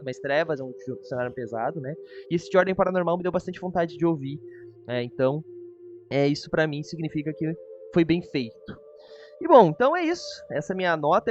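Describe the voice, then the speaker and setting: High-voiced Brazilian man, slightly muffled. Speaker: host of a reaction show. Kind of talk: casual review chat. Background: music.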